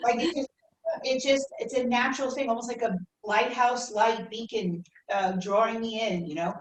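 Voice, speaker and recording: A woman talks with a New York accent. Her pace is fairly slow. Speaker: networking group member. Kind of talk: group discussion. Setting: meeting room with video call. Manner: animated.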